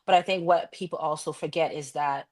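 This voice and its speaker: A woman's voice: low-pitched, fairly even intonation, a little fast, a little mellow. A woman from Ghana, raised in Canada, answering interview questions earnestly about her career as a school vice principal. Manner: earnest, reflective, with frequent ums. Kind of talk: interview answers, candid personal story.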